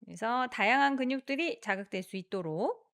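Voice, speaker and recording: A woman exercise instructor guiding a workout, giving encouraging cues and counting reps aloud in a steady rhythm. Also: on the high side, fairly quick.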